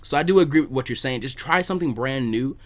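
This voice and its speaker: Talkative man with a mid-pitched voice. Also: quick pace. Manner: talkative, hesitant, repeats words as he thinks. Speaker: podcast host, video creator. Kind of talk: casual podcast chat.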